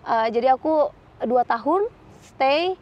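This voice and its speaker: A woman's voice: high-pitched, lively intonation, slow. A woman from Jakarta in her thirties, chatting casually as a podcast guest, with frequent fillers and restarts. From Jakarta, Indonesia. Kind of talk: casual interview chat. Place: outdoors. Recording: dull lo-fi sound.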